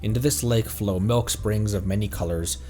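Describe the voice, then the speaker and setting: A man's voice: on the low side, normal speed, mellow. A man giving casual live game commentary as a streamer, with murmured asides that trail off mid-thought. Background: game music.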